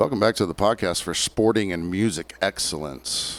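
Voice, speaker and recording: The voice shows vocal fry. It belongs to a man. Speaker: podcast host. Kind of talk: casual podcast talk.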